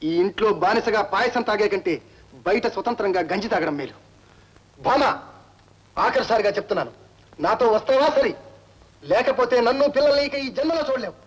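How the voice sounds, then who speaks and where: An actor playing a proud, angry young husband who speaks defiantly and sermonizes, with a husky voice in old film melodrama style. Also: male voice, high voice, animated, a little fast, pauses often, low-quality recording.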